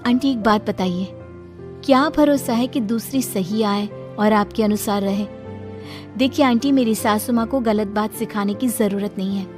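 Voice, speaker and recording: A woman voicing a gentle, worried young daughter-in-law in a cartoon story, speaking politely and anxiously. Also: medium pitch, normal speed, music in the background, lightly acted. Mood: firm polite.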